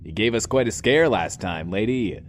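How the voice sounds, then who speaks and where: Man playing a pompous, swooping low-voiced radio host. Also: animated, normal speed, a little hiss or hum, natural voice. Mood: encouraging, pompous. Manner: pompous, theatrical, swooping emphasis. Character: smug, self-loving but soft-hearted male radio show host. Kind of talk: in-world radio show monologue.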